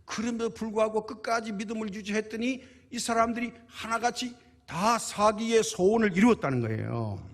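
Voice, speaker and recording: Husky-voiced preacher in an echoing church. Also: male voice, high-pitched, expressive, moderate pace, few pauses. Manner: emphatic, asks rhetorical questions and answers them. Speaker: pastor. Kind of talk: sermon. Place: church sanctuary. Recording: reverberant church hall.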